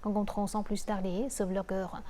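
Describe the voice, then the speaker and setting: Mellow-voiced woman presenting news. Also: medium pitch, level tone, moderate pace.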